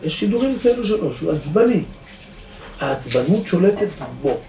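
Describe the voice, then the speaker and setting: A man, a rabbi giving a lively Torah lesson to a live audience, asking rhetorical questions and swinging between loud and soft. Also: high-pitched. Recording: echoey room, distant mic, faint noise.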